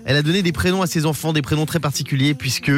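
A man's voice: fairly high pitch, racing, soft background music. A man hosting a morning radio show, telling odd stories and running quizzes with a playful, teasing manner. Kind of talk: lively morning radio chat.

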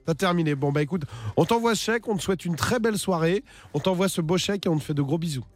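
A man's voice: high voice, dry recording, soft background music. A male radio host joking through studio banter, running a call-in game while losing his voice. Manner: joking, fast-talking.

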